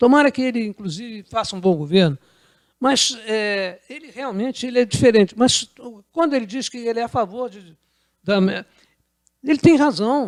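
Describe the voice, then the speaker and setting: At a moderate pace, a man speaks at an extremely high pitch with lively intonation, big swings in loudness and long, frequent pauses. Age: 70s. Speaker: journalist. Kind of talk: TV interview.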